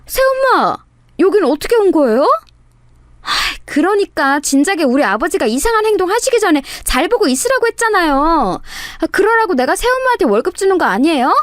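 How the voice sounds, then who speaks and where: Woman doing a loud scolding sister-in-law. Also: high voice, very animated, brisk, no room sound, clean studio sound.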